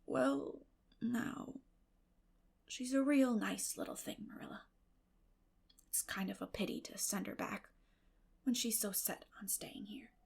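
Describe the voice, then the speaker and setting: A gentle, shy old bachelor farmer from a storybook, as a woman narrator plays him. He is hesitant and reluctant, speaking very softly in a hushed, breathy, halting voice. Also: fairly high pitch, in a whisper, full character voice. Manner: halting, reluctant, soft-spoken.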